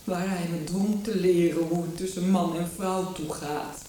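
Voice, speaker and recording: A woman's voice: fairly low pitch, steady tone, unhurried, dark tone, a little hiss or hum, close to an everyday voice. An actress playing a grief-stricken king's daughter consumed by hatred, declaiming solemnly in a classical tragedy for radio. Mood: bitter, haunted. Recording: echoey hall, distant microphone.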